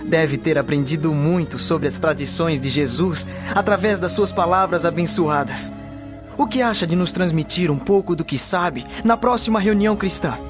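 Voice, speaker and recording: Man playing high-voiced devout Roman Christian, Brazilian accent. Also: moderate pace, natural voice. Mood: solemn, resolute. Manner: solemn, formal, exhorting. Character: steadfast, devout early Christian man in ancient Rome. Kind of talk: radio drama acting. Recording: dull lo-fi audio under loud music. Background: music.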